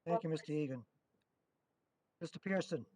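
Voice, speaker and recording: A man with a somewhat high voice chairs a public meeting as moderator. He is formal and brief, calling on speakers and keeping procedure moving. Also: moderate pace, a little mellow.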